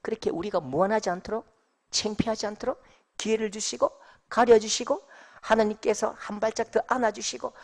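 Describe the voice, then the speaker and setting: A male pastor preaching a sermon dramatically, swinging from shouts to hushed tones and acting out scenes. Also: high voice, steady tone, brisk, creaky.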